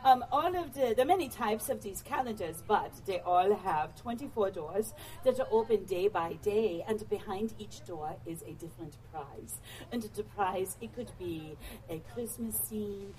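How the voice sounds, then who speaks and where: A woman's voice: mid-range voice, a little mellow, recorded from a distance, lightly acted, low-quality recording. Helga, a woman playing a bubbly German market lady. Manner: bubbly, quizzing the crowd with questions. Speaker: costumed holiday show performer. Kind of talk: live audience interaction.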